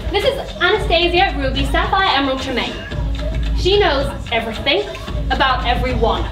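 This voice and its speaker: Casting: actress as sweet, cheeky, put-upon girl for stage pantomime, high and projected in a reverberant theatre. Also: expressive, moderate pace, far from the mic, music in the background. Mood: confiding, indignant. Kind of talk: amateur stage pantomime, addressing audience.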